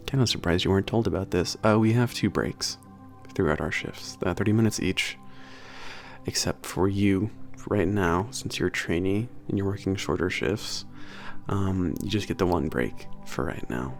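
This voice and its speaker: Man as a low, creaky-voiced, laid-back werewolf trainer. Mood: casual, helpful. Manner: halting, mumbled, informal, trailing off. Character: laid-back, slightly gruff young male werewolf trainer at a spaceport. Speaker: workplace trainer. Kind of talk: casual ASMR roleplay. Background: soft background music.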